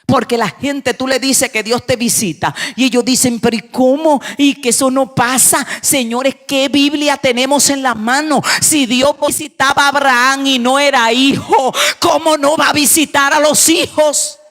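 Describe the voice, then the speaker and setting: A woman pastor preaching a sermon, emphatic, moving between hushed passages and raised, urgent lines. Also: sits high, steady tone, moderate pace, hardly any pauses.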